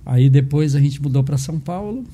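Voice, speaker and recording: An older man with a Brazilian accent, a physician being interviewed, talking casually and haltingly, often adding tag questions. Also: a little high, mellow, slight background noise. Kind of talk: casual conversational storytelling.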